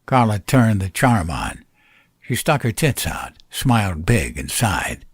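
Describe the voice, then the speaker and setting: Man narrating fiction with lively, swooping pitch. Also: takes it slowly, husky, clean studio sound. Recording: roomy echo, faint music bed.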